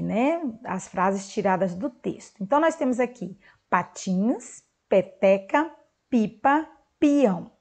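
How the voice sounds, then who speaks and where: A woman teaching a recorded lesson to young children in Brazilian Portuguese, speaking clearly and drawing out words for them. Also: medium pitch. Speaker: primary school teacher.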